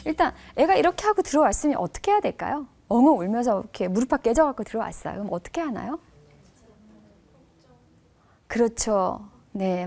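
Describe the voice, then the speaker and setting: A woman professor giving a lecture, telling stories expressively and dropping to a soft hush for emphasis. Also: on the high side.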